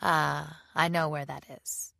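A woman's voice: low voice, little pitch movement, slow pace, creaky, bright, forceful tone, no room sound, studio quality, heavily acted. A woman voicing a polite foreign man with a slight foreign accent, speaking formally and carefully in an audiobook.

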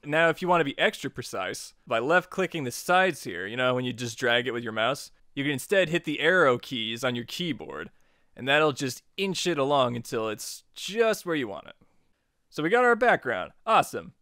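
A man narrating a software tutorial in a chatty, informal way, guiding step by step. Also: medium pitch, very animated, normal speed, dry recording, clean studio sound. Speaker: tutorial host.

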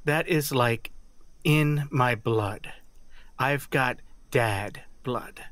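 A hapless but devoted father and policeman played by a man in an audio drama. He talks haltingly and sincerely in a medium-pitched voice, recorded very dry. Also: fairly bright tone, no room sound. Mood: earnest, resolute.

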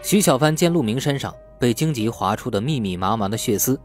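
A man's voice: mid-range voice, expressive, a little fast, faint music behind. A man narrating a novel as a scripted, dramatic audiobook.

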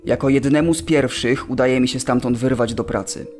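A mid-range male voice played by a man tells a prisoner orderly's account in an audio drama. He is measured and matter-of-fact, with music faintly underneath. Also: medium pitch, steady tone, a little mellow, lightly acted.

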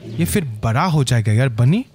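Excitable male gameplay commentator. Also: mid-range voice, normal speed, a little hiss or hum. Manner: excitable, keeps saying "guys". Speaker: gaming channel host.

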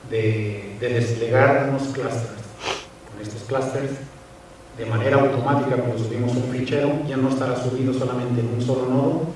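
A man in his thirties gives a technical conference talk with a mellow, relaxed tone, pausing on small repeated words as he works through each explanation. His voice rings out in a big echoey cinema hall. It is picked up from a distance. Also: mid-range voice, slight background noise. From Spain. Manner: measured explanatory delivery with frequent hesitant repeats. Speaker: conference speaker. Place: large cinema hall on stage. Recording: echoey hall recording from far off.

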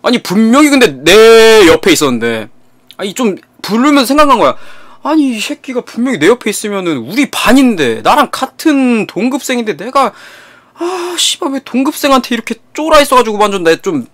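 Bright, lively young man telling a story. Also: sits high. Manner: animated, repetitive, profane retelling. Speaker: streamer. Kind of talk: casual storytelling to viewers.

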